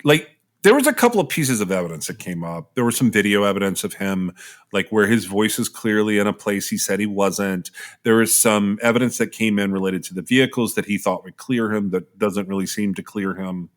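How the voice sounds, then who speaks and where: A man's voice: fairly low pitch, brisk. A man co-hosting a true crime podcast, chiming in agreeably and giving hedged opinions in casual conversation. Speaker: podcast co-host.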